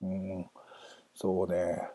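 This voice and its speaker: A man's voice: deep voice, monotone, slow, warm tone, breathy edge, no echo. A man hosting a casual solo talk, chatty and self-amused, wandering off into asides. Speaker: podcast host.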